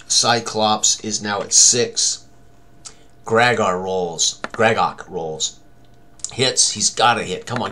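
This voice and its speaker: A man's voice: on the low side, fairly bright tone, slight background noise. An older man in his sixties hosts a casual tabletop combat tutorial, narrating each step in short fragments as he goes. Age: older, around 60s. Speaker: tabletop game designer and tutorial host. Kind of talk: casual tutorial commentary while rolling dice. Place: small room indoors at a computer.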